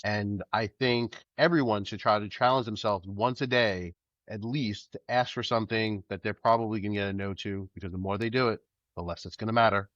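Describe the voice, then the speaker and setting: A man speaking as a guest in a relaxed, thoughtful way. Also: lowish voice, no echo, lo-fi sound. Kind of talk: casual conversation.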